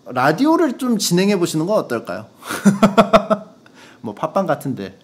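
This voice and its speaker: A man hosting a casual podcast, chatting and answering listener letters, rambling and self-deprecating, with sudden loud emphasis. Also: medium pitch. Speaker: radio-style podcast host reading listener letters. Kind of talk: casual chat.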